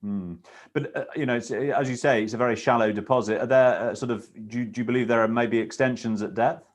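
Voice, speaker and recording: A man's voice: medium pitch, steady tone, fast. A man interviewing a business guest, asking questions with hesitant phrasing and repeated words.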